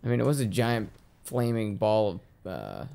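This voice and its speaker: Male co-host, mid-pitched, gravelly, animated and chatty. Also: normal speed. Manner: chatty, jokey, trivia tangents. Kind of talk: casual let's-play banter.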